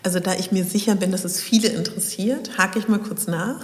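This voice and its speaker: A woman's voice: mid-range voice, fairly even intonation, brisk, roomy sound, in a large hall. A woman, a coach hosting the interview, asking long winding questions and backing her guest with frequent short affirmations. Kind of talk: conversational interview.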